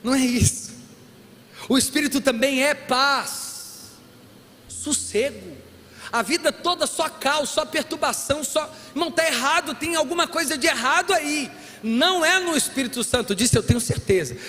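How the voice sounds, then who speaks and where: A man preaching a sermon as a pastor, animated and humorous, acting out bits of dialogue. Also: very high voice, normal speed. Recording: long hall reverb, faint room noise.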